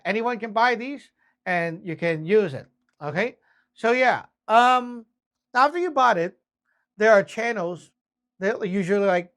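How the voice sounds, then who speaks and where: A man's voice: high-pitched, fairly bright tone. A man teaching beginners in an informal, step-by-step way, often checking in with short tag questions. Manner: informal, frequent tag questions like "right?" and "okay?". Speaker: instructor, channel host. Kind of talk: casual beginner tutorial, explaining step by step.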